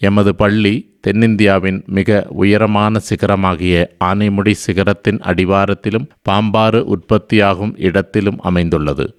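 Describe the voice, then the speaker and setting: Smooth, low-voiced man giving a formal address. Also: no echo, studio quality. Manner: measured, formal.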